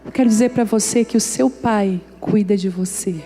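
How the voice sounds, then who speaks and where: A woman's voice: mid-range voice, normal speed, soft background music. A woman pastor preaching to a congregation, telling humorous stories and acting out the dialogue. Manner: lively, humorous, acts out dialogue in anecdotes. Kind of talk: storytelling sermon. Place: church service before a congregation.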